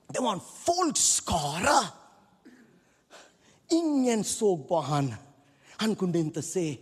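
Middle-aged pastor, slightly husky and a touch high, sermon in a reverberant hall. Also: male voice. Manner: preaching with rising intensity, swings between soft and loud. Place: church hall.

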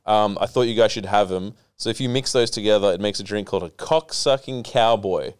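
A man's voice: on the low side, fairly quick, clear, resonant tone. A man co-hosting a podcast, chatting casually, joking and swearing often. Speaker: podcast co-host. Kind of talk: casual chat.

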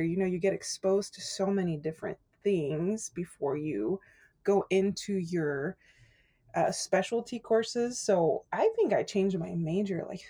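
A woman's voice: fairly low pitch, dark tone, slightly rough. A woman guest who grew up speaking Spanish, chatting casually in an interview and telling her story with lots of laughter. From California.

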